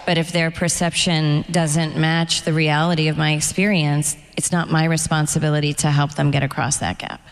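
Low, gravelly woman in echoey hall. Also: flat delivery, moderate pace, hardly any pauses, a little hiss or hum. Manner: candid, reflective, wry humor. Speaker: novelist being interviewed. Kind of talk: onstage author conversation. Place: event stage before an audience. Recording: echoey hall, long reverb.

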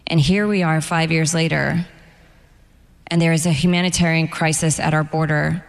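Speaking before an audience in an echoey, long-reverb hall, a middle-aged novelist being interviewed talks openly and with wry humor about her work and life. Her voice is low, gravelly and steady, at a moderate pace.

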